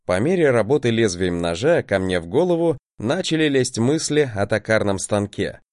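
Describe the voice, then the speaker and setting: Man, audiobook narrator, wry first-person telling, animated pitch, dry close sound. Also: moderate pace, no echo. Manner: wry, conversational.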